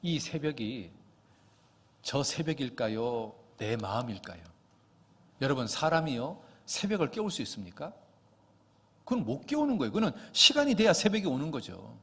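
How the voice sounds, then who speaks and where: A man preaching a Sunday sermon, swinging from quiet reading to loud, impassioned exhortation. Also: mid-range voice, very animated, moderate pace, husky. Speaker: pastor. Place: church sanctuary. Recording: long church reverb.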